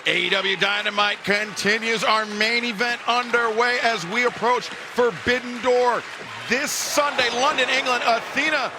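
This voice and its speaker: A man doing play-by-play commentary on a live wrestling match, excited and often shouting his calls. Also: extremely high pitch, a little slow. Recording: loud arena crowd behind. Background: roaring crowd and loud arena noise.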